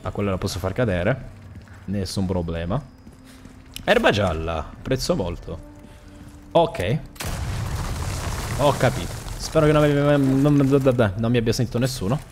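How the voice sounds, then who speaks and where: A man's voice: medium pitch, lively intonation, unhurried, long pauses, darkish tone, a little hiss or hum. A young man giving joking gameplay commentary and mocking the enemies on screen. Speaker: gaming YouTuber.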